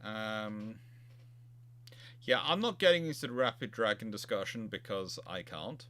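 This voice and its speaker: A man hosting an informal expert chat, answering questions in a halting way with frequent restarts. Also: lowish voice, animated, fairly bright tone. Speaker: host of a naval history live chat.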